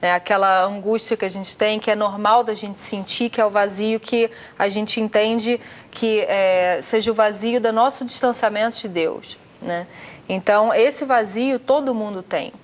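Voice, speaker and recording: A Brazilian woman on a talk show panel, explaining her view in a measured way with hesitant fillers. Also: mid-range voice, fairly even intonation. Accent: Brazilian Portuguese. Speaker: guest panelist.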